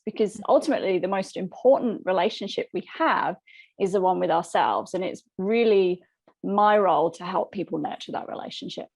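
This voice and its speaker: A middle-aged woman from England with an English accent tinged by Australia, a coach talking calmly and reflectively in a casual interview. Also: lowish voice, gravelly. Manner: calm, reflective, gentle. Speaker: boundaries coach and guest.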